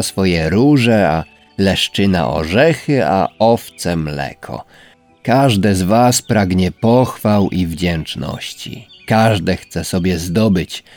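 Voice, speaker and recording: A man's voice: lowish voice, a little mellow. Man doing a haughty, aloof snail. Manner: slow, indifferent, lecturing. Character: proud aloof male snail, cold and self-satisfied. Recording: faint background music.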